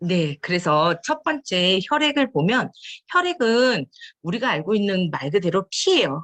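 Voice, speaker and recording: Delivery is fairly slow. Little sound intrudes from the quiet background. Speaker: health lecturer. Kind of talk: online lecture.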